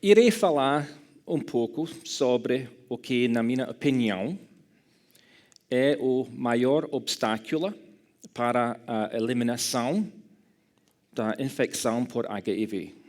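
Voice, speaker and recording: A man from Scotland delivers a lecture with a clear Scottish English accent. He talks at a slow, unhurried pace in a mid-range voice, carefully choosing his words and fixing small slips as he goes. A dry humor surfaces now and then. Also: mid-range voice, darkish tone. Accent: Scottish English speaker speaking Portuguese. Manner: careful, halting delivery with self-corrections. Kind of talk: academic lecture in a second language.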